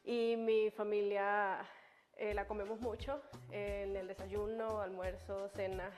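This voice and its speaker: A woman's voice: mid-range voice, flat delivery, takes it slowly, darkish tone, soft background music. Friendly young Venezuelan woman. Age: 20s. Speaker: cook. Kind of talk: documentary interview.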